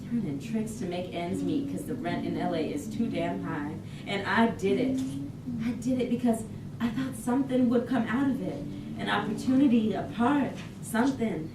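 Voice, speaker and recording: A woman's voice: medium pitch, expressive, normal speed, lightly acted. A woman playing an embittered, defiant Black actress in an impassioned staged monologue. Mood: bitter, pained. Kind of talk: staged reading of dramatic monologue. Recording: distant, echoey, very noisy room.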